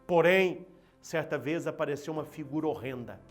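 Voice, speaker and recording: A man with a Brazilian Portuguese accent, a Catholic priest giving an Easter sermon, telling a parable slowly and with emphatic, dramatic delivery. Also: fairly high pitch, soft background music. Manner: slow, dramatic, emphatic storytelling.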